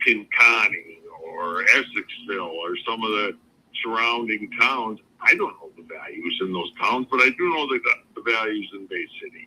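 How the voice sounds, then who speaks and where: A man with an Upper Midwest US accent at a moderate pace. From Flint, Michigan. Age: 70s. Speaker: real estate investor selling a property. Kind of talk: phone sales call.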